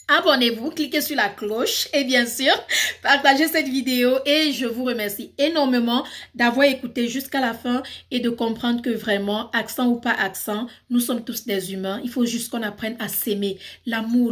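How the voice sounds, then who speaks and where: A woman's voice: on the high side, fairly bright tone. A woman with a Cameroonian accent, ranting passionately in a casual vlog and switching between French and English. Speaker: YouTuber. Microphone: phone.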